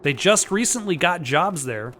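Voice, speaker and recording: A man giving casual let's-play commentary, halting as he thinks aloud. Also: on the high side, lively intonation, sharp tone, slight background noise. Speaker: let's player. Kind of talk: casual game commentary with read-aloud dialogue.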